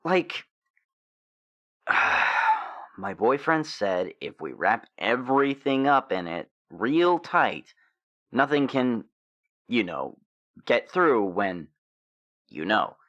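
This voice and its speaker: A man playing an awkward, embarrassed sixteen-year-old werewolf boy in an audio drama, hesitant, stammering and clearing his throat. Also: medium pitch, very animated, drawn-out words, pauses often, fairly bright tone, muffled recording, full character voice.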